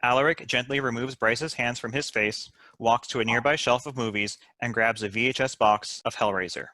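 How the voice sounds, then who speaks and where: A man narrates screenplay directions in a bright, crisp-edged voice of middle pitch. The sound is dry and close. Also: steady tone, normal speed, no echo. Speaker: stage directions reader.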